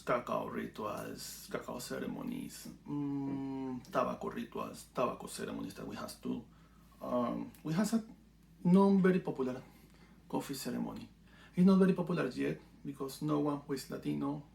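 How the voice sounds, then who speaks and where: A man from Venezuela with a Venezuelan Spanish accent, teaching a simple spiritual ritual in halting, broken English with dry humor. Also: medium pitch, creaky, slight background noise. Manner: halting, many fillers and restarts, dry humor. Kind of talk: casual teaching monologue.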